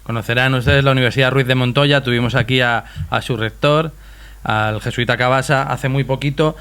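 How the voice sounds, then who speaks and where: A male interviewer with a voice at a middle pitch hosts the conversation in a friendly, informal way. He often hesitates and repeats words as he works toward each question. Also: fairly even intonation, fairly quick, fairly bright tone, clear, resonant tone. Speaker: interviewer host.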